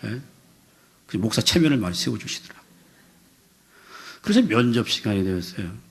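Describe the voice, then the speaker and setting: A man in his fifties, a pastor preaching a sermon, telling a story with voiced quotes and building to loud, emphatic peaks. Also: lowish voice, fairly quick, slightly rough. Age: 50s. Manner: storytelling with animated voiced quotes, rising to shouts.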